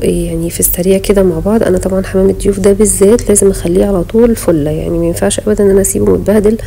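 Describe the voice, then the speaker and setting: Somewhat out of breath, a woman with an Egyptian Arabic accent narrates her home vlog in a chatty, pious voice-over aimed directly at her viewers. She has a warm, mid-range voice with vocal fry, captured in a low-quality recording.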